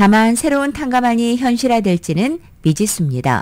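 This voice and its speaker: A woman speaks in a dark, mellow tone with very wide pitch swings. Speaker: radio news anchor. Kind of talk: news reading. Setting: studio. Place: studio. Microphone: studio mic.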